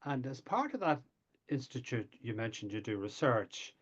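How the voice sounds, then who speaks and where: A man's voice: mid-range voice, very animated, moderate pace, lo-fi sound. A man interviewing a guest, polite and friendly, with some stammered restarts. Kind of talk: interview questions.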